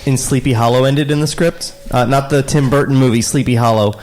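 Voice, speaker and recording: A man co-hosting a comedic table read, reading stage directions with wry, quick asides and frequent laughs. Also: medium pitch, fairly even intonation, darkish tone, soft background music.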